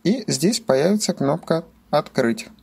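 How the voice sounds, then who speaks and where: A man's voice: on the high side, expressive, a little slow, vocal fry, a little mellow, slight background noise. A man giving scripted instructional narration as a tutorial presenter, explaining things methodically, step by step.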